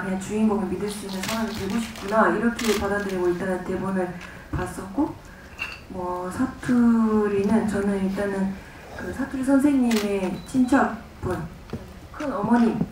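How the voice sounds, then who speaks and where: A woman's voice: medium pitch, moderate pace, noisy background. Hesitant Gwangju-accented woman. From Gwangju, South Korea. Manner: hesitant, with fillers. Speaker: actress at a press conference. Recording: echoey hall from far off.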